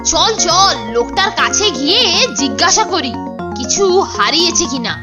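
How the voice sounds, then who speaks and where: Woman voicing a squeaky cheeky schoolboy. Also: animated, normal speed, music in the background. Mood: eager. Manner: chatty, teasing. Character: cheeky chatty young schoolboy sidekick. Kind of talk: cartoon voice acting.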